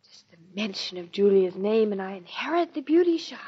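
A woman's voice: medium pitch, animated, a little fast, husky. An actress playing a nervous, melodramatic young married woman in an old radio drama. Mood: anxious. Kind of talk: 1940s radio acting. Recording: dull old radio recording.

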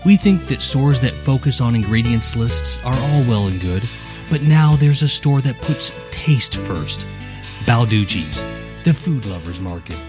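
Lively American male promo voice. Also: mid-range voice, measured pace. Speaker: commercial and imaging voice-over. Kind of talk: scripted promo and advert narration. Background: music.

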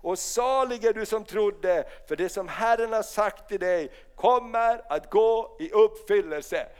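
A man preaching a charismatic sermon, often rising to fervent shouts of hallelujah and amen. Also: high voice, clear, resonant tone. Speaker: pastor.

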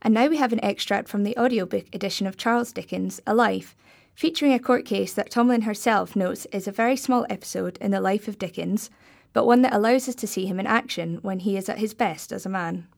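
A woman's voice: medium pitch, fairly quick, creaky. A woman reading a scripted podcast link as presenter.

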